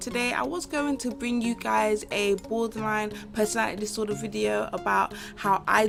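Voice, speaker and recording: Music in the background behind a woman with a fairly high pitch and ordinary pitch variation. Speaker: mental health vlogger. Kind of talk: casual talk to camera. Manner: stuttering, halting.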